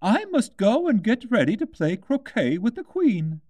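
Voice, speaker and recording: A man voicing a rude, haughty noblewoman who speaks slowly and curtly, in a storybook reading. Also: high voice, very animated, a little mellow, voice pushed up. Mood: brusque. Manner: slow, emphatic, curt.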